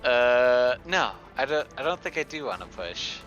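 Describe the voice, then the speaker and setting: Bright, forceful-toned male game player. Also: mid-range voice, sing-song, unhurried, highs cut off, faint music behind. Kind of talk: casual game-table chat.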